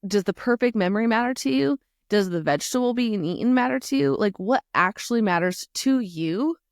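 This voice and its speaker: A woman casually giving a Christian encouragement talk to mothers, chatty and animated, full of asides. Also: mid-range voice, a little fast, no echo, clean studio sound. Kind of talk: casual faith talk to moms.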